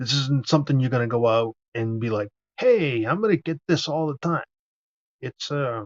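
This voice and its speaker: An American-accented man's voice at medium pitch, with ordinary pitch variation and a moderate pace. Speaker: guest sharing cancer grief experience. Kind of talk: casual chat. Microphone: connectivity issues.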